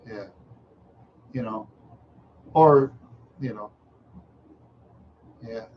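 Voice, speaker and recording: Slow rambling older man, lo-fi stream. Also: mid-range voice. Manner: slow, repetitive, lots of "yeah" and chuckles. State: tired, feeling unwell. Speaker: livestream host. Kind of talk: rambling casual livestream chat. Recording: dull lo-fi stream audio with faint noise.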